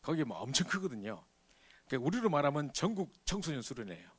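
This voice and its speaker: A middle-aged man preaching to a church youth group, telling a personal story in a lively, animated way. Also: on the high side, quick pace, breathy edge. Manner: animated storytelling, acts out scenes. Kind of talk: sermon with personal testimony.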